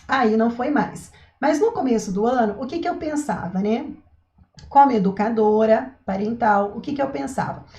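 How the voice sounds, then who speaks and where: Woman, parenting educator, casual vlog talk, chatty and a bit high-pitched, roomy echo. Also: darkish tone. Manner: chatty, asks rhetorical questions, says "né" and "tá" often. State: throat itch, coughs now and then.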